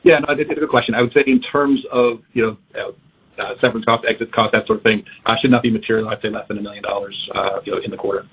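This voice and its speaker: Very fast, raspy male finance executive. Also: lowish voice, fairly even intonation. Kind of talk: earnings call Q&A answers. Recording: tinny conference call phone line.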